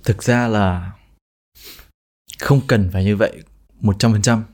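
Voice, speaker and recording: A man's voice: fairly low pitch, measured pace, a little mellow. A young man speaking as a podcast guest in casual chat, plain and modest.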